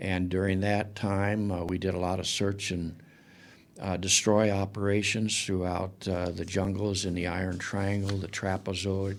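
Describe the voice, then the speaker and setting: Flat, monotone delivery at a moderate pace with audible room echo. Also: man, very deep, low pitch for a man. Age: 70s. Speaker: war veteran. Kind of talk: testimony. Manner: halting.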